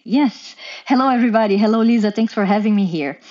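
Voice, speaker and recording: Brazilian-accented woman, mellow muffled voice. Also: medium pitch, fast. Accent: Brazilian Portuguese. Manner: careful, explanatory, with occasional restarts. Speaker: guest scientist. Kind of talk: podcast interview, explaining.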